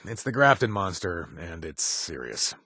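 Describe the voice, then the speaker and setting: An actor playing a wry, sarcastic companion in a video game who hands out kill jobs, stammering and joking. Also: male voice, low voice, a little slow, slightly rough, dry recording, exaggerated voice. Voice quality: animated, sarcastic delivery with hesitant stammers. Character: wry young man, quest-giving companion, sarcastic and jumpy. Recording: dry studio sound.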